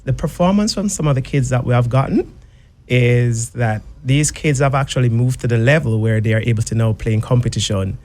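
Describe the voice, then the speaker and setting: A man's voice: medium pitch, fairly quick, darkish tone. A man, a coach and guest on a radio show, explaining a program in an upbeat way. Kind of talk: radio interview. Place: radio studio.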